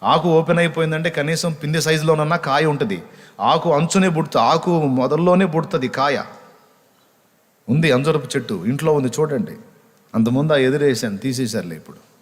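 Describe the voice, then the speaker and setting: A man's voice: a little high, fairly quick. A man preaching a sermon as pastor, emphatic, repeating phrases for stress. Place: church hall. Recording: long church reverb.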